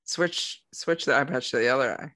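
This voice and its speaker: A man's voice: medium pitch, pushed and bright, dry recording. Young male podcast co-host, wisecracking and loose, dry close sound. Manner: joking, quick banter. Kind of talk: casual chat.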